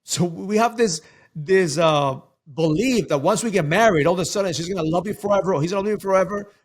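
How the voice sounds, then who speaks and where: A man's voice: high voice, fast, a little hiss or hum. A man talking as a guest coach in a casual interview, emphatic and preachy, often repeating words for stress.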